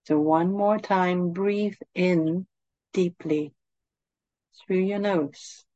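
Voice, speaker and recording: A woman leading a guided meditation, speaking in a calm, soothing, gently instructing manner. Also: lowish voice, very slow, no echo, muffled recording.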